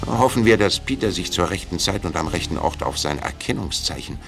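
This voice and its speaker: A man playing a wry, measured storyteller, narrating a scripted mystery audio drama. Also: sits low, expressive, gravelly, fairly bright tone, full character voice. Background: music.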